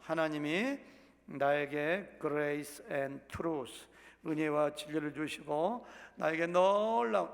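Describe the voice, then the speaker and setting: A man's voice: high-pitched, gravelly. A male pastor giving a Sunday sermon in a church sanctuary, speaking conversationally and putting questions to the congregation. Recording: reverberant church hall.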